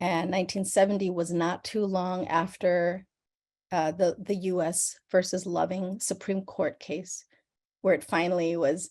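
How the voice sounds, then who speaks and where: A woman with an American accent has a plain, everyday voice at a medium pitch with fairly even intonation. She speaks at a fairly slow pace on a very clean recording with a silent background. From US Southwest, Tempe, Arizona. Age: 50s. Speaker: early childhood mental health researcher. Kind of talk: keynote lecture.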